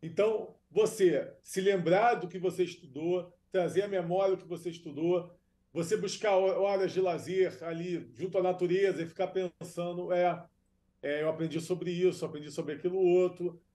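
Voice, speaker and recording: A Brazilian man gives informal expert advice in a fairly high but soft-edged, mellow voice. It sounds like a webcam recording in a small room. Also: fairly even intonation, normal speed. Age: 30s or 40s. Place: small room at home or office.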